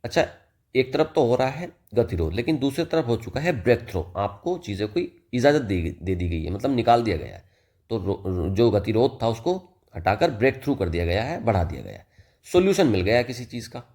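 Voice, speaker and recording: A man giving a vocabulary lesson, explaining English words in a relaxed, chatty way and reading example sentences slowly. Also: mid-range voice. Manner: mixes Hindi and English, addresses listener as "bhai". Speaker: vocabulary teacher.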